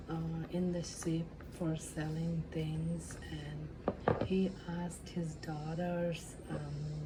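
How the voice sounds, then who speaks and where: A woman telling a fairy tale as an ASMR storyteller, in simple, halting, improvised phrases. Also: sits low. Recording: clearly noisy background.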